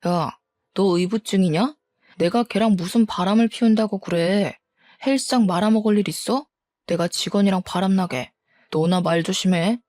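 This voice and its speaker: A defensive, scornful cheating husband in a spoken storybook, read out by a woman. He blusters and turns every accusation back on his wife, in a mellow, dark tone. The recording is dry and close. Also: medium pitch, moderate pace, dry recording, lightly acted. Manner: blustering, blame-shifting.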